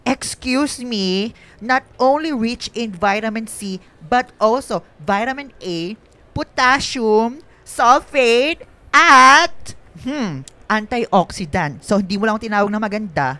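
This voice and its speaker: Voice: mid-range voice, lively intonation, takes it slowly, bright, forceful tone, clean tone, no room sound. A performer with a Filipino accent playing a flamboyant, bossy young gay man in a radio drama, sassy and campy with affectionate teasing.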